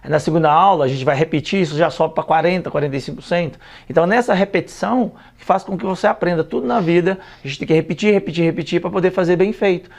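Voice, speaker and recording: A man's voice: sits high, fast, gravelly, hardly any pauses. A man, a language school founder, explains his teaching method in a studio interview, repeating words for emphasis. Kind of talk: studio talk show interview.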